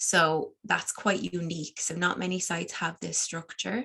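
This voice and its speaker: The tone is bright and sharp. The speaker has an Irish accent. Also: woman. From Ireland. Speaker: energy healer and meditation teacher. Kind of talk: class introduction before guided meditation. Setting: online live session.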